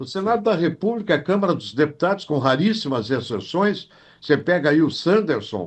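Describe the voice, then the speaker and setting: A man's pitch swings very widely while he keeps to a moderate pace. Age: 60s. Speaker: journalist and political candidate. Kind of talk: interview. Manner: animated.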